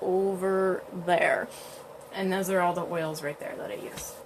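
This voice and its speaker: A woman speaks over noticeable background noise. The room echo is audible. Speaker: yoga teacher and live streamer. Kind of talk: casual live stream chat. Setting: live stream from her cottage. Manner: loud.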